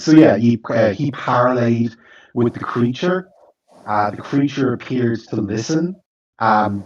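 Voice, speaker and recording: A man narrating as game master of a tabletop game, halting and full of fillers as he recaps. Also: lowish voice, recorded from a distance, lo-fi sound. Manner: halting, with many fillers and restarts.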